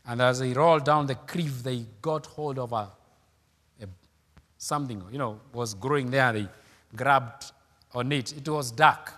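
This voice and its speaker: A man's voice: mid-range voice, unhurried, bright, forceful tone, long reverb tail. A man, preaching an emphatic sermon, repeating his points and calling out hallelujah. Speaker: pastor.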